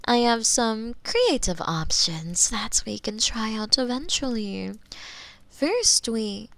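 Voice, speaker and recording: A woman playing a smug, menacing female mad scientist in a theatrical ASMR roleplay, condescending and sometimes breathy, close on a binaural microphone. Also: a little high, lively intonation, slow pace, no room sound, heavily acted. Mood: clinical, absorbed. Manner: theatrical, condescending, sighing, slipping into breathy whispers. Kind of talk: roleplay ASMR monologue, spoken to the listener.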